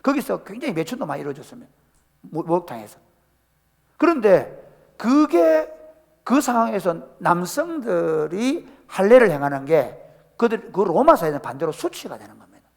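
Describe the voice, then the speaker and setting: Middle-aged male pastor, high animated delivery, long church reverb. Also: normal speed, vocal fry. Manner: animated preaching, acts out quoted voices, asks the congregation questions. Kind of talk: sermon. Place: church sanctuary.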